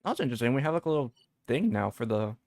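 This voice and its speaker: A man's voice: medium pitch, sing-song, racing, dry recording. A man livestreaming a game, chatting casually and reading bits of on-screen text aloud. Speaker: game streamer. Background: soft game music.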